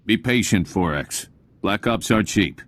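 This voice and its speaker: An actor playing a hard-edged renegade black ops squad leader in a video game, impatient and commanding. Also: male voice, fairly low pitch, animated, unhurried, fairly bright tone. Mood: terse, impatient.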